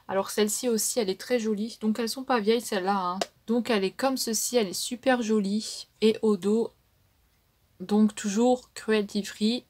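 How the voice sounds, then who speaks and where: This woman, a beauty vlogger, talks through makeup palettes with a French accent, loose and chatty, leaning on fillers and "donc" throughout. Her pitch is fairly high and a little mellow, with slight background noise.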